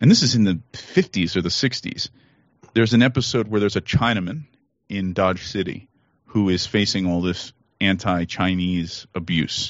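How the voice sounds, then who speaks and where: In a plain, everyday voice, a man speaks at a moderate pace, his fairly low pitch showing ordinary variation. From West Virginia, moved from Pennsylvania at seven. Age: 40s. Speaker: podcast guest. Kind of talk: casual chat.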